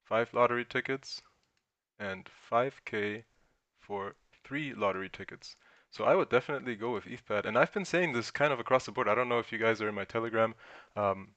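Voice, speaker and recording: A man's voice: mid-range voice, bright, forceful tone, no echo, dull audio. A man from Germany whose first language is German, hosting a casual livestream and thinking aloud while he answers chat questions. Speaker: crypto livestream host.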